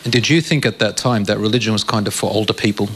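A man's voice: fairly low pitch, quick pace, fairly bright tone, breathy edge. A man interviewing a guest in a casual conversation, asking short probing follow-up questions.

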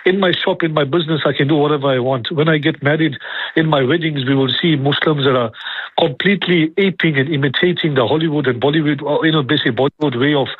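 A man's voice: on the high side, quick pace, slightly rough, no echo. A man giving a religious lecture as a preacher, repeating himself, listing point after point and asking rhetorical questions. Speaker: Islamic preacher. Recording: tinny phone-like radio line.

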